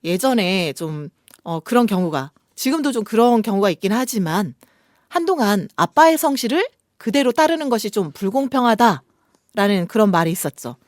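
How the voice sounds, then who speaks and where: A woman's voice: medium pitch, big pitch swings, moderate pace, no echo, clean studio sound. A woman co-hosting a radio show, reading poems expressively and chatting politely and reflectively about books. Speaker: radio co-host. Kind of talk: scripted poem reading and relaxed book chat.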